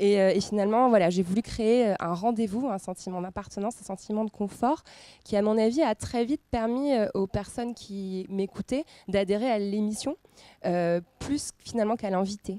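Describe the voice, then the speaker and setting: A woman with a medium-pitched voice speaks at a moderate pace with ordinary pitch variation. The recording is very clean, dry and close, with no echo and a silent background. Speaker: journalist and podcast host. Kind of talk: masterclass talk. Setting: stage with audience. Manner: many hesitations (euh).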